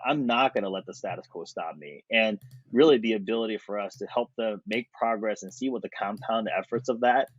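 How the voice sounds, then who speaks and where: A man in his thirties from South Korea, a podcast guest talking thoughtfully and with energy, pausing on fillers. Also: on the low side, dry recording. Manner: thoughtful, animated, with frequent fillers and laughs. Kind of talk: conversational interview. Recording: dry, slightly dull podcast audio.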